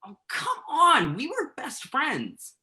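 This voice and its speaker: A woman's voice: high voice, huge pitch swings, takes it slowly, sharp tone, exaggerated voice. A woman acting the part of an emphatic, wounded male writer in a staged play reading. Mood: indignant, insistent. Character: male writer Tim, pen name Tuck, joking, wounded, insistent.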